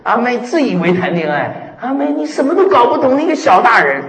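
A middle-aged man preaching a sermon as pastor, lively and emphatic, dropping hallelujahs and amens between points. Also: very high-pitched, a little fast, crowd noise. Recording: echoey hall with long reverb.

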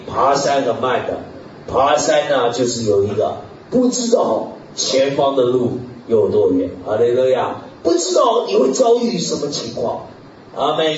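A man preaching a sermon in an animated way, peppering his talk with hallelujah and amen, chuckling often and sometimes bursting into shouts. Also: medium pitch, a little hiss or hum. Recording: echoey hall, distant mic, dull lo-fi.

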